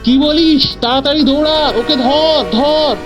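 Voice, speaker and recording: A woman voicing a sceptical, scolding young boy in an animated cartoon, speaking in a bossy, colloquial way. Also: high-pitched, moderate pace, over music, natural voice. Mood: alarmed.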